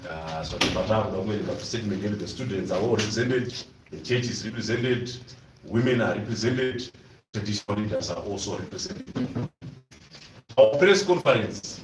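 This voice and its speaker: A man with a Zimbabwean accent addressing a press conference as its main speaker, with deliberate, emphatic phrasing. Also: lowish voice. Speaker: civic forum leader, main speaker. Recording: echoey room, distant mic, clear noise.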